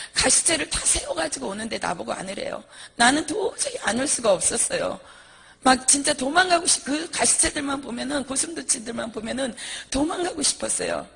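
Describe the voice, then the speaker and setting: Woman minister, testimony; high, husky voice, earnest and vivid storytelling. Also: fairly bright tone. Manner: earnest, vivid storytelling, relives her pleading prayers. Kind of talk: personal testimony.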